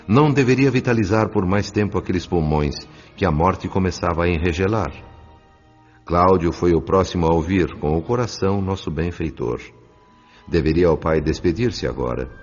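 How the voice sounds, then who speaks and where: Deep-voiced solemn Brazilian male narrator. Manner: solemn, measured. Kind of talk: scripted audiobook drama narration. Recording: dull lo-fi audio over music.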